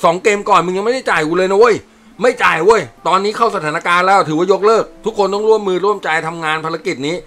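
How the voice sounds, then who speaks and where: A man voicing a brash, quarrelsome male soldier who talks loud and coarse. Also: sits high, fast, voice pushed up. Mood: bickering.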